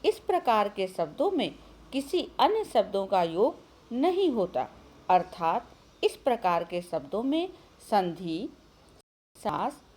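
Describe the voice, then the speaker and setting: A woman of medium pitch and slightly mellow quality leads a recorded online grammar lesson for schoolchildren. Again and again she speaks to the children by name or call, then raises questions and supplies the answers herself.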